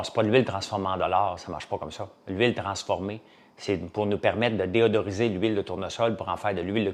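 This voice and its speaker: Brief: lowish-voiced Québécois French man, casual chat with a live audience, rambling, lots of fillers. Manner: rambling, many fillers, jumps between topics. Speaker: farmer and business owner.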